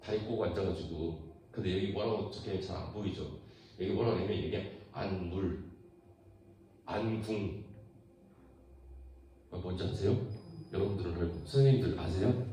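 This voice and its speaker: Low, mellow preacher in an echoey hall. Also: male voice, moderate pace, long pauses, recorded from a distance, a little hiss or hum. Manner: keeps asking the audience questions; acts out family dialogue in lively put-on voices. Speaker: youth preacher. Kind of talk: conversational sermon to teenagers. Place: large church hall. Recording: very echoey hall, voice heard from afar.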